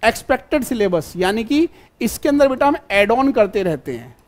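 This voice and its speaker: High-voiced fatherly teacher. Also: big pitch swings, normal speed. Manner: fatherly, keeps calling students "beta" and checking if they follow. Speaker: online exam-prep teacher. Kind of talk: live online class.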